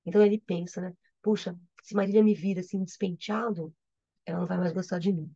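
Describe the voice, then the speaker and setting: Brief: Brazilian woman literature teacher, mellow, dry close sound, explains and repeats, checks understanding. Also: on the low side, steady tone, fast, vocal fry, no echo, muffled recording. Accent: Brazilian Portuguese. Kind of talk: reading and explaining a poem in a lesson.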